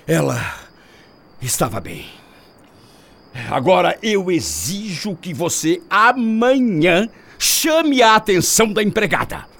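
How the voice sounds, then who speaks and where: Brief: indignant middle-aged radio-drama husband, slick liar, high voice with gravelly creak, theatrical. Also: male voice, very animated, slow, long pauses, a bit bright, heavily acted. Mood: feigned concern, demanding. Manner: emphatic, feigned composure. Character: smooth-lying, indignant middle-aged husband, bossy and self-justifying.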